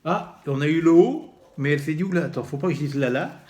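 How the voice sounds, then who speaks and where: A man's voice: on the high side, expressive, fast talker, darkish tone. Teasing man, echoey room. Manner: joking, teasing, wry asides. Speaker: co-host, the vlogger's partner. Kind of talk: casual teasing banter.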